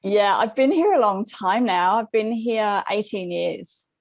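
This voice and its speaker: A middle-aged woman from England with an English accent tinged by Australia, a coach talking calmly and reflectively in a casual interview. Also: medium pitch, unhurried, lo-fi sound. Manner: calm, reflective, gentle. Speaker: boundaries coach and guest.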